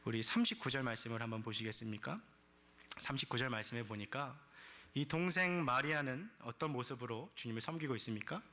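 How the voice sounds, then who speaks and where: Male pastor preaching, bright voice, acts out the story, animated. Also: medium pitch. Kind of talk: sermon.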